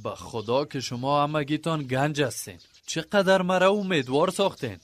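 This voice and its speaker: An actor playing an enthusiastic, encouraging village organiser in a radio drama, eager and full of praise, with an Afghan accent. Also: male voice, fairly high pitch, lively intonation, close to an everyday voice.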